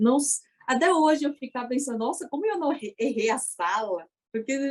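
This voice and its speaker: A woman with a Chinese accent talks at a moderate pace. Her pitch is high, with ordinary variation. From China. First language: Chinese (speaking Portuguese). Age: 30s. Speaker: interviewee. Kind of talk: life-story interview. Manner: halting.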